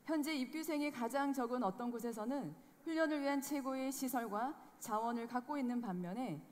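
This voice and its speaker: A woman presenting a formal scripted report in a clear, formal tone. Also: fairly high pitch, fairly quick. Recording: long hall reverb.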